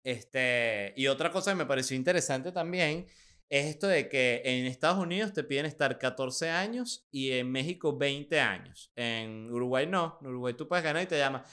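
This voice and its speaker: A young Venezuelan man hosts a podcast in a relaxed, conversational way, slipping in sarcastic jokes and quick asides. His voice is smooth and resonant, pitched in the middle for a man. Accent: Venezuelan Spanish. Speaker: podcast host. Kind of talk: casual commentary.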